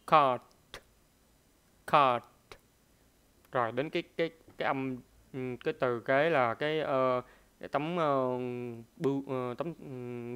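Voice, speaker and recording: A man teaching a pronunciation lesson in a smooth, resonant voice at a middle pitch. He hesitates, fills pauses with small sounds, and says each example word over and over to model it. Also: a bit bright. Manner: hesitant, many fillers, repeats words slowly to demonstrate.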